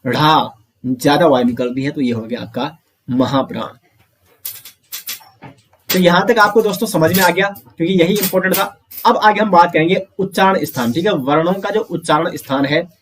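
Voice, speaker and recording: A man teaching an online grammar lesson, explaining step by step, asking questions and answering them himself, and saying sounds out slowly for pronunciation drills. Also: a little high. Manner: often addresses listeners as friends.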